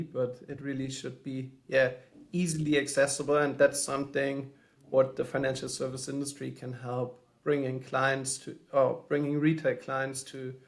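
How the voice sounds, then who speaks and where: A man's voice: mid-range voice, creaky. A man from Germany calling in from home as a podcast guest, thoughtful and hesitant with many fillers. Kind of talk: podcast interview answers.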